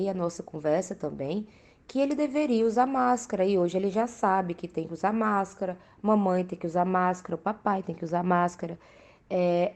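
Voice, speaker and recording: A woman's voice: mid-range voice, darkish tone. A young woman with a Brazilian accent speaking casually and explaining things as an interviewed mother. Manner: explanatory, conversational. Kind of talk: casual spoken testimony.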